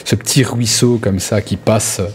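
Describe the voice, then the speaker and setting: A man's voice: fairly low pitch, fairly even intonation, a little slow, a little mellow. A man narrating a tabletop role-playing game as game master, describing scenes in a hesitant, repetitive way. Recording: background music under the voice.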